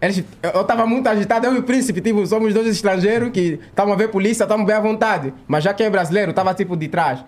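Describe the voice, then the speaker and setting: A high-pitched man with an Angolan Portuguese accent tells a story to the podcast hosts. His delivery is animated, and he acts out the voices of the people in the story. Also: quick pace, few pauses. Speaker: guest. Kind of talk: casual podcast chat.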